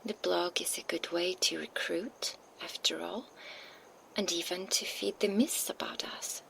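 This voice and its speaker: A woman voicing a cold, menacing female vampire enforcer in an ASMR roleplay, speaking in a soft, slow, taunting whisper into a binaural microphone. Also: fairly low pitch, steady tone, vocal fry, full character voice, low-quality recording.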